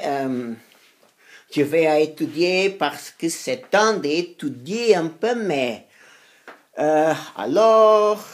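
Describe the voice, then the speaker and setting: Slow, halting woman speaking as non-native beginner. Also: sits low. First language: not French. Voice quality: non-native, beginner French with frequent errors. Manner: halting, repeating phrases while searching for words. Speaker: language learner making practice videos for own channel. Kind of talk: unscripted monologue practicing a foreign language.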